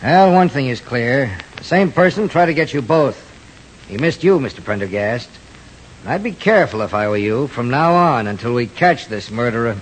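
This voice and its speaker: An actor playing a calm, methodical police lieutenant in a 1940s radio drama, firm and businesslike. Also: male voice, mid-range voice, normal speed, slight background noise, lightly acted, poor audio.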